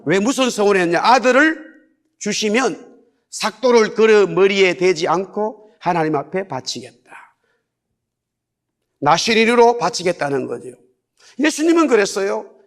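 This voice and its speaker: This man's voice sits high and sounds animated as he preaches in a church sanctuary at a measured pace, pausing often. He repeats key words for emphasis and gets the congregation to say lines back after him.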